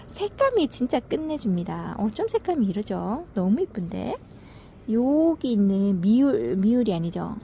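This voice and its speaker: This woman's voice sits a little high, swinging widely in pitch, and she speaks a little slowly in a mellow tone over a faint hiss or hum. As a succulent gardening vlogger, she films her home veranda garden and chats affectionately about each plant with small sighs, narrating casually.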